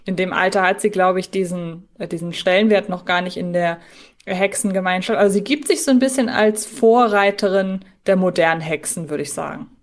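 A woman's voice: lowish voice, fairly quick. A woman co-hosting a podcast, chatting casually and reflectively, thinking aloud as she discusses. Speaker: podcast co-host.

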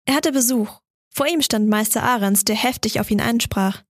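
A woman calmly reading a Christmas story aloud in a measured storytelling manner. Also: on the high side, dry recording, studio quality. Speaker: reader. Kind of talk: audiobook narration of a Christmas story.

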